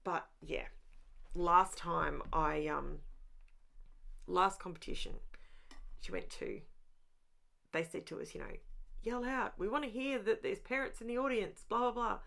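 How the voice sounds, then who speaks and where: A woman's voice: lowish voice, slow, creaky, pauses often, bright, forceful tone. A middle-aged woman, chatting through a craft voiceover, rambling and talking straight to her viewers. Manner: rambling and self-aware, talks straight to viewers. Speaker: crafting channel host. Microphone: voiceover mic.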